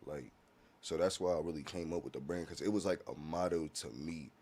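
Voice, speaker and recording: A man's voice: a bass voice, fairly quick, a little mellow. A man talking as a musician guest in a casual podcast conversation, laid-back and heavy on slang, often checking in with "you feel me".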